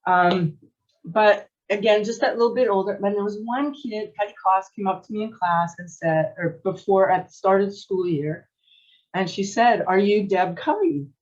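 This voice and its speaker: A middle-aged woman from Canada talks in a lively, chatty way, laughing often and restarting her sentences. Her voice sits at an ordinary pitch for a woman. The audio is slightly muffled and lo-fi, like a remote call. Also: moderate pace. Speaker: guest, sport psychology coach. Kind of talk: casual interview storytelling.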